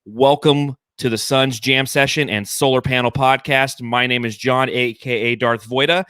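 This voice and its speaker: Bright hyped-up male podcast host. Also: mid-range voice, fairly even intonation, clean tone, no room sound, clean studio sound. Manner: hype, playful, drawn-out emphasis. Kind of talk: excited sports podcast banter.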